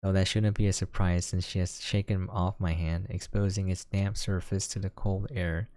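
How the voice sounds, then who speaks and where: A man's voice: low voice, flat delivery, normal speed, a little mellow, no echo. A man reading a visual novel aloud as a gameplay host, dropping in casual, conversational asides.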